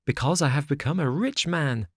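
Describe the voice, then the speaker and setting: A man voicing an excitable young wooden puppet boy in a storybook reading, speaking high and eager. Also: normal speed, no room sound, studio quality, natural voice. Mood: proud.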